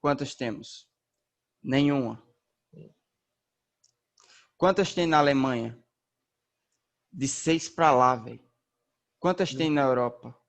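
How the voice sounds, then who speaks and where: A young man from northeastern Brazil, a racing driver, answering interview questions in a relaxed, slangy way with many fillers. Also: medium pitch, slow, long pauses. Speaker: race car driver, interview guest.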